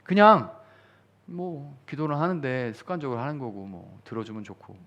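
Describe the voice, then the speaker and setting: A man's voice: medium pitch, moderate pace, a bit bright, dull audio. A male pastor giving a sermon at a midweek prayer meeting, talking in an easy conversational way, acting out quoted prayers and rising to fervent emphasis.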